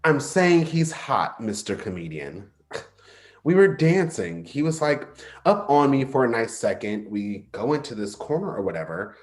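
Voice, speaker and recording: A man's voice: medium pitch, sing-song, moderate pace, lightly acted. A man playing a flirty, sardonic but insecure gay man in a staged play reading, with a teasing, dramatic delivery. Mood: animated, catty. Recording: roomy sound, faint music behind.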